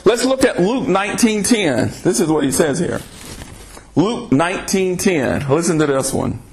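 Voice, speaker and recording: A man delivers a slow, deliberate sermon in a high voice, and his pitch leaps up and drops away for emphasis. He quotes scripture and keeps asking the listener pointed questions. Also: animated, a little mellow, a little hiss or hum. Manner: preaching with rhetorical questions and scripture readings. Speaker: preacher. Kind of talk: sermon podcast.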